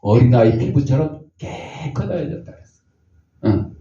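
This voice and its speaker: Older male pastor, folksy sermon storyteller, lively pitch, dark tone, heard from afar in a roomy hall on a lo-fi recording. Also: normal speed, slight background noise. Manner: folksy storytelling, acts out voices. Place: church sanctuary. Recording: echoey, distant, dull church recording.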